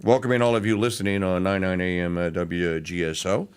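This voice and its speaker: A middle-aged man from Louisiana hosts a casual talk radio show, rambling and digressing with plenty of fillers and restarts. He talks fairly quickly with a clean tone and animated pitch swings.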